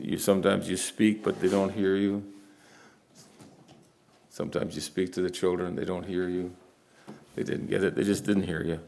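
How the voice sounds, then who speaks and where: A man's voice: low-pitched, gravelly, dark tone. A man preaching a conversational sermon, rising in force when he quotes scripture.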